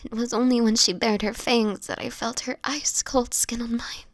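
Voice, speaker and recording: A frail, haunted vampire woman voiced by an actress speaks close and dry, in a breathy near-whisper. She is fearful and sorrowful, halting often as she confides in an audio drama. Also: fairly high pitch, little pitch movement, no echo, close to an everyday voice. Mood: frightened, shaken. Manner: halting, hesitant storytelling with pauses. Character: sickly, fearful homeless young vampire woman, sorrowful and hesitant. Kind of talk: intimate dramatic audio roleplay monologue.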